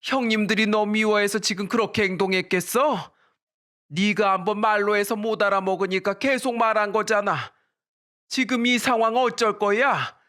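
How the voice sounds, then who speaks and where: A man's voice: sits high, normal speed, pushed and bright. A man voicing a stern older father-in-law who scolds his youngest son in a storybook drama. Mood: irate. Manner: scolding, tongue-clicking.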